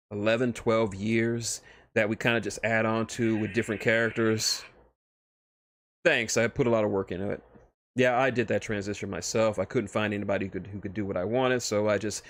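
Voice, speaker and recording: A man's voice: on the low side, dry recording. Informal man streaming, dry close sound. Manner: informal, halting, self-correcting. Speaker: streamer and fan fiction writer. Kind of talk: casual livestream chat and story reading.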